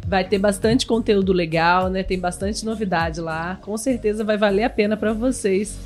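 A woman from Brazil co-hosts a live podcast for Portuguese learners. Her voice sits at a middle pitch, and she speaks in an easygoing, friendly way. Faint music plays under her voice. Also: moderate pace, a little mellow. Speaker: podcast co-host.

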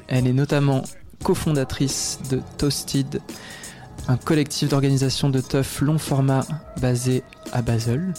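Male radio host, measured announcer delivery, faint music underneath. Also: mid-range voice, mellow. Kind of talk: radio interview, scripted intro then casual chat. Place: radio studio.

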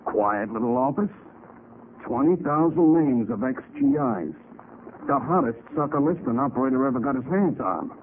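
Male actor as cocky crook with a gun, 1940s radio crime drama. Slangy, animated menace, tinny vintage sound. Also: mid-range voice, normal speed, close to an everyday voice. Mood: smug, cold. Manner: tough slangy gangster talk. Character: cocky male gangster killer and swindler holding a gun. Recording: scratchy, thin 1940s radio recording.

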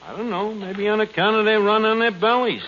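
An actor playing a brash, bumbling tavern manager who mangles big words, heard as an old 1940s radio broadcast. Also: male voice, high-pitched, fairly quick. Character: bumbling tavern manager, man, ungrammatical and pushy. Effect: 1940s radio broadcast sound. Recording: dull 1940s radio broadcast with loud audience and hiss.

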